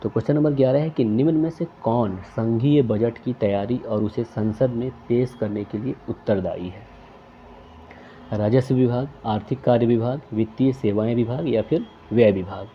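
A man steps through exam questions as a tutor, reading each question and its options aloud before naming the correct answer. His voice sits at an ordinary middle pitch. The recording is slightly dull and lo-fi, with faint background hiss. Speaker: quiz tutor.

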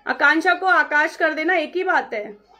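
Chatty high-voiced woman selling sarees live. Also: sharp tone, faint music behind. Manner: chatty, brisk, reads out viewer names and takes bookings; mixes English phrases into Hindi. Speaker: saree seller on live stream. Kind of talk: live-stream sales chat.

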